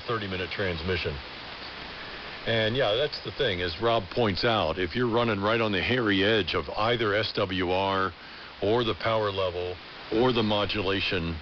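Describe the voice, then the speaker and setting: A man chatting casually and technically as a ham radio operator over AM shortwave, explaining things with halting asides. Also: fairly low pitch, a bit bright. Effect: AM shortwave radio transmission. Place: amateur radio station, heard through a receiver. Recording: muffled, hissy shortwave radio reception.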